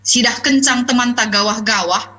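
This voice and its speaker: A woman pastor preaching in an easy, conversational way, drifting into personal anecdotes and pausing often on her words. Her voice sits a little high and rings bright and forceful. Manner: chatty, anecdotal, with frequent hesitations. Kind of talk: conversational sermon.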